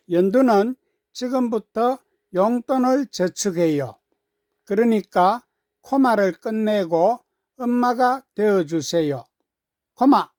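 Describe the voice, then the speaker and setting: A woman voicing a bright, curious young girl in a children's story, playful and eager as she teases and cheers on her mom. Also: medium pitch, no room sound, studio quality.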